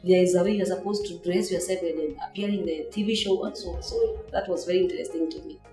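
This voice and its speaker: Brisk, mellow woman. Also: fairly low pitch. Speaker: training participant. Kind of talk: documentary interview testimony. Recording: echoey room, faint music.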